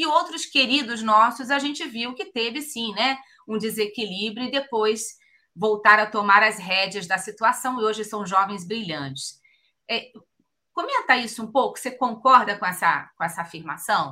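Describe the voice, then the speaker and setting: A woman with a bright, sharp tone speaks at a moderate pace, fairly high in pitch with lively intonation. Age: 50s. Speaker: podcast host, HR expert. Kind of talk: interview conversation.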